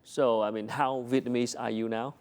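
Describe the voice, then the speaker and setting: A man interviewing a guest, asking calm questions and giving short backchannels. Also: medium pitch, normal speed.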